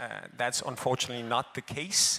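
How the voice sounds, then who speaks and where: Speaking at a moderate pace, a man with a Danish accent has a bright, sharp tone. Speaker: happiness researcher. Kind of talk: lecture. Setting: stage with audience. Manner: halting.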